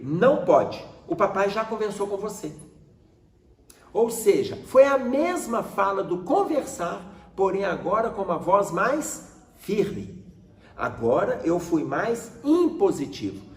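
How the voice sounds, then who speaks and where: A man's voice: high-pitched, darkish tone. A man giving an explanatory talk to an audience, speaking animatedly and turning often to his listeners with rhetorical questions. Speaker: spiritist study presenter. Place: room with a presentation board. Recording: roomy echo, mic at a distance.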